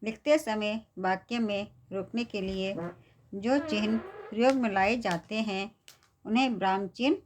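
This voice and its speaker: A woman teacher patiently explaining a lesson to young students, often checking in with them. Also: mid-range voice. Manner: patient, repeats "theek hai" to check understanding.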